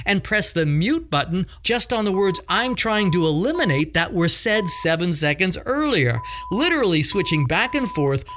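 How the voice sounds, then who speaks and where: A man's voice: sits high, sharp tone. A man hosting a podcast, narrating a scripted story in a dramatic, emphatic way. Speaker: podcast host and coach.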